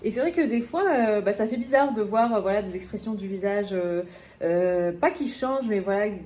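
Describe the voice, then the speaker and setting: A woman's voice: medium pitch, lively intonation, moderate pace, dark tone. A woman in her thirties from northern France, chatting and confiding to camera in a casual vlog, with many fillers. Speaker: vlogger.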